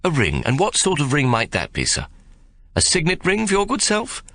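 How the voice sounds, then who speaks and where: A man's voice: fairly high pitch, wildly swooping pitch, normal speed, bright, forceful tone, voice pushed up, exaggerated voice. A man voicing a fussy, ingratiating shop manager of about fifty-five at a jewellers' counter, in a storybook reading. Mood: unctuous. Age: 50s. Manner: unctuous, fussy.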